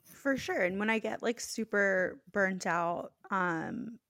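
A woman with a raspy voice co-hosting a podcast, talking candidly in a rambling, self-mocking way. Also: medium pitch, takes it slowly, a bit bright, no room sound, studio quality. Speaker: podcast co-host. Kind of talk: casual chat.

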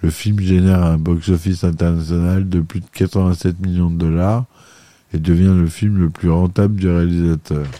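Male podcast host, low dark voice, dry close sound, reads a chronicle and often trips and corrects himself. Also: level tone, normal speed, dry recording. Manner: reads aloud with frequent stumbles and self-corrections. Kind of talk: read film chronicle.

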